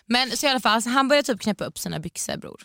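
Young woman, podcast co-host, lively swooping voice, animated storytelling, dry close mic. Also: on the high side, vocal fry, dry recording. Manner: animated storytelling, mixes in English slang. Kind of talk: casual podcast chat.

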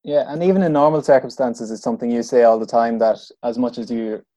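A man hosting a sports interview, asking measured, conversational questions. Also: medium pitch, fairly even intonation, dark tone. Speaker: radio host.

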